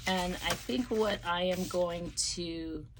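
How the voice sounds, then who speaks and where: A woman's voice: on the low side, slow, heavy background noise. A woman hosting a casual crafting tutorial, losing her voice with a slight cough, rambling with many ums and restarts. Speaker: craft channel host.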